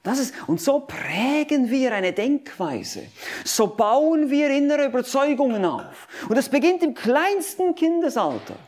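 A man's voice: extremely high pitch, big pitch swings, unhurried, darkish tone. A man preaching a sermon, emphatic, asking his listeners questions and stacking up repeated phrases as he talks to them directly.

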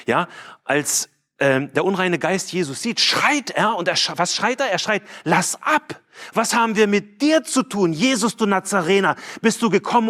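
A man's voice: fairly high pitch, a bit bright. A man preaching a sermon, earnest and emphatic, asking rhetorical questions and reading scripture with dramatic emphasis. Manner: quotes scripture with raised, dramatic voice.

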